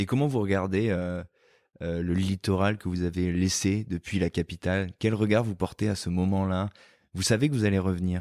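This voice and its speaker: Very clean and silent in the background, the recording is dry and close with no echo. A man with a very deep, low voice speaks at a moderate pace with fairly even intonation. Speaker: podcast interviewer. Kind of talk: interview questions.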